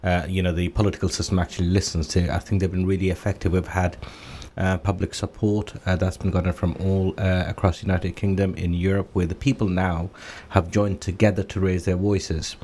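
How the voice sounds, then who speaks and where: Deep, mellow man on a noisy line. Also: flat delivery, a little fast. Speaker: guest commentator. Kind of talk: radio panel discussion. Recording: noisy line with background ambience.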